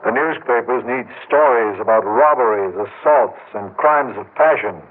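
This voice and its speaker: An actor playing a calm, condescending official making veiled threats in a 1950s radio drama. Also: male voice, medium pitch, normal speed, husky, lightly acted. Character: smooth-talking menacing city official man. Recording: narrow-band old radio broadcast.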